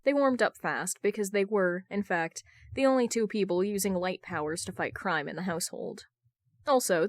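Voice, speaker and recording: A woman's voice: medium pitch, no room sound. Woman narrating, very dry close sound. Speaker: audiobook narrator. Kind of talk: scripted fan fiction narration.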